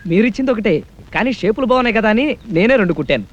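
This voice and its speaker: An actor playing a bumbling, overly polite young tailor in comic film dialogue. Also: male voice, high voice, lively intonation, rapid-fire, muffled recording, slight background noise. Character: bumbling young male tailor, pestering and cheeky.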